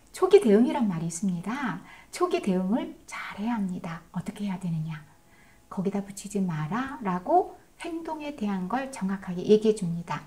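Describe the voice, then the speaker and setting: A woman's voice: mid-range voice, darkish tone. A middle-aged woman, a parenting educator, giving a parenting advice talk and acting out short lines of parents and children.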